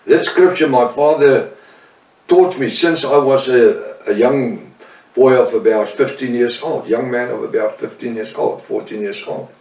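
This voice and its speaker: A man's voice: mid-range voice, unhurried, a little mellow. A man with a South African Afrikaans accent teaching the Bible, emphatic, often repeating and correcting himself. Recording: roomy sound from a distant mic.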